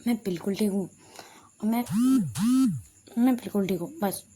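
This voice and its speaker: A sleepy young student girl from an audio love story, slow to wake and quick to get flustered and apologetic. A woman narrator voices her close to her own everyday voice. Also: mid-range voice, dark tone, breathy edge, lightly acted. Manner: drowsy and whiny when woken, then flustered.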